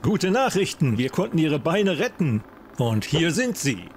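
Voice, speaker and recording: Man doing a straight-faced, highish cartoon man. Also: very animated, unhurried, slight background noise. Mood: matter-of-fact.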